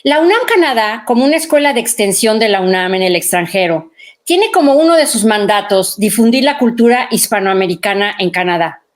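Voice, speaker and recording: A woman's voice: mid-range voice, lively intonation, a little fast. A woman presenting a podcast series in a formal, ceremonious welcome speech. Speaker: program presenter.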